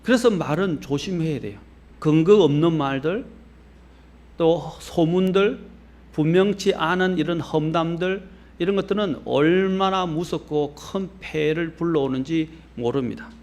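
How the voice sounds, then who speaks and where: A middle-aged male pastor from Korea's Gyeongsang region with a faint Gyeongsang accent, giving a measured, earnest sermon that rises to stress points and drops low at phrase ends. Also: darkish tone.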